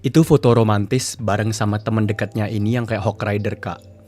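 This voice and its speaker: A man's voice: lowish voice, fairly even intonation, a little fast, a little mellow. A man streaming live, reading viewer confessions aloud in a chatty, teasing way. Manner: chatty, teasing asides to chat. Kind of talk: casual livestream reading.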